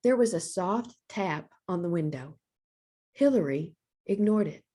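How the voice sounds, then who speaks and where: A woman hosting storytime, reading a children's picture book aloud in a deliberate, expressive storytelling manner. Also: on the low side. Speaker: storytime host, librarian.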